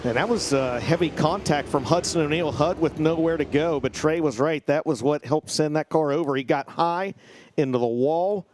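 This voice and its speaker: A man's voice: a little high, normal speed. A man giving emphatic, exclamatory live race commentary as a motorsport commentator at an outdoor track. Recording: engine noise behind the voice. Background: race car engines outdoors.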